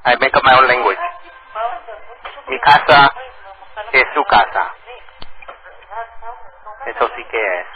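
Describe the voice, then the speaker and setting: A man hosting a radio show who makes deadpan, teasing prank phone calls. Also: medium pitch, unhurried, pauses often. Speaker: radio host and prank caller. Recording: dull lo-fi radio recording, faint noise.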